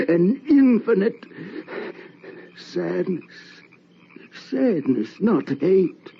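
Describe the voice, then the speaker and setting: A haunted husband confesses his crime in an old horror drama. His delivery is slow and halting, circling back over words, with a creaky edge to the voice. The old recording is dull, with light noise behind him. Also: a little high, exaggerated voice. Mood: terrified. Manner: halting, repeating words, tormented. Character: haunted, guilt-ridden husband confessing his wife's murder. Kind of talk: old-time radio horror drama acting, dramatic monologue.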